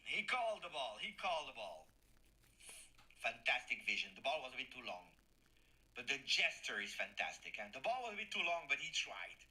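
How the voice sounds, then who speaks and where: A man with French as his first language voicing an excitable male football match commentator, calling the plays with quick repeated phrases. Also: mid-range voice, voice pushed up, low-quality recording. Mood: commenting. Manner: rapid repeated play-by-play calls.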